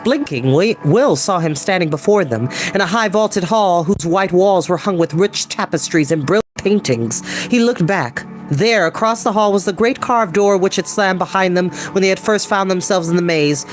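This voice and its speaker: Expressive storyteller over soft ambient music. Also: medium pitch, normal speed, hardly any pauses. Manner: expressive, theatrical, casual. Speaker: host reading books aloud. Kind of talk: animated storybook reading with chatty asides.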